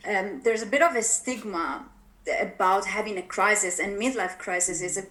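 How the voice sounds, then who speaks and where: A woman's voice: mid-range voice, normal speed, a bit bright, low-quality recording. A woman, a native Italian speaker with an Italian accent, answering interview questions as a life coach in an earnest, reflective, emphatic way. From Italy. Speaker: guest, transformational life coach.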